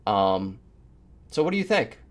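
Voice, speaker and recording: A man with a lowish voice speaks as a podcast host in a casual panel discussion. His delivery is conversational, and he takes his time laying out his points. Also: big pitch swings, measured pace.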